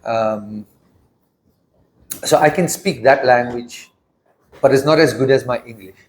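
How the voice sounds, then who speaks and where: Speaking at a measured pace in a medium-pitched, slightly mellow voice, this South African-accented teacher runs a casual English class. He's patient and keeps checking in with his students by asking questions.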